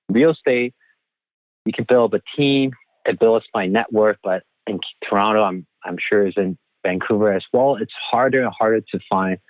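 A man's voice: fairly low pitch, no echo. A man from Taiwan answering interview questions conversationally as a guest and financial coach. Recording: thin phone-like band-limited line.

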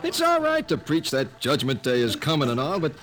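A man's voice: fairly high pitch, huge pitch swings, a little fast, fairly bright tone. An actor playing a skeptical working-class man in the street, folksy, stammering and dismissive, in 1950s radio style. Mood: stubborn, dismissive. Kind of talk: 1950s radio drama acting.

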